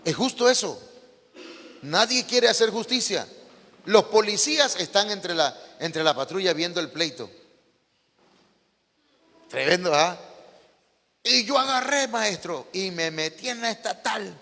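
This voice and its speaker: A man's voice: high-pitched, lively intonation, unhurried, vocal fry, pauses often, sharp tone, in a large hall. A man preaching a sermon, telling stories and putting rhetorical questions to the congregation. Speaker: pastor.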